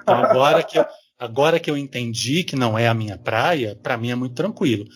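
Husky man in his forties. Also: mid-range voice, quick pace. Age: 40s. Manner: candid, conversational, fillers like "sabe". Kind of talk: casual chat.

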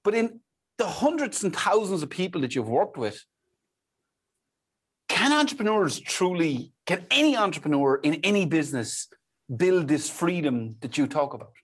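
An Irish man hosts a podcast interview with a slightly husky voice. His pitch rises and falls a great deal as he speaks with enthusiasm, and he fills his pauses with "um" and repeats phrases for emphasis. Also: sing-song. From Ireland. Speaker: podcast host.

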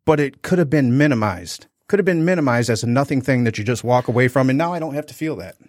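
A man's voice: medium pitch, lively intonation, fast talker, a little mellow, no room sound, studio quality. A man co-hosting a casual podcast, telling a candid personal story and acting out the quotes. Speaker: podcast co-host.

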